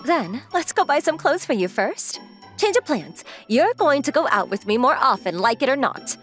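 Woman doing bossy confident girlfriend in romcom manga dub, blunt, highish voice, very animated. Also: normal speed. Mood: bossy, upbeat. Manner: blunt, assertive. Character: bossy, confident, secretly lovestruck young woman. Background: music.

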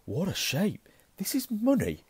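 A man's voice: fairly high pitch, lively intonation, measured pace, a little mellow, husky, dry recording, pitched above the performer's own voice, heavily acted. A man voicing a sleepy teenage boy who gets easily amazed, in a drawling voice.

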